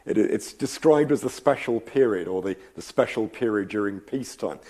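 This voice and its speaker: A man's voice: lowish voice, expressive, normal speed, darkish tone. A man with a slight cold and a fraying voice, giving a public science lecture in a thoughtful, rambling way, with frequent ums and asides. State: slight cold, losing his voice. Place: lecture hall.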